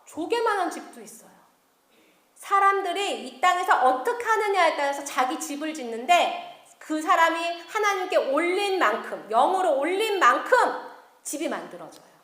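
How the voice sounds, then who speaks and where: A woman missionary giving an animated testimony sermon in a church meeting hall, quizzing her audience as she tells her story. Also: extremely high pitch, normal speed. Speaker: missionary preacher. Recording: echoey hall.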